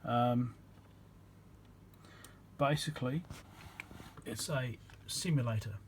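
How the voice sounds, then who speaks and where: A man's voice: medium pitch, slow pace, a little hiss or hum. A man giving a casual technical explanation as a repair video host, rambling and matter-of-fact as he thinks aloud.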